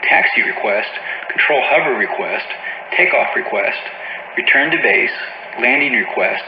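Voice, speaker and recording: A man reading scripted instructional narration for a flight simulator tutorial in a measured, matter-of-fact, procedural manner. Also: medium pitch, animated. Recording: dull, roomy lo-fi audio with faint noise.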